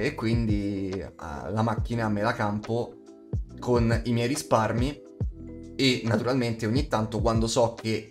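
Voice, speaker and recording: A man, talking casually and bluntly to camera in colloquial, sweary language. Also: medium pitch. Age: 20s. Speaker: YouTuber, aspiring voice actor. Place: small bedroom, indoors. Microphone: studio condenser mic on desk.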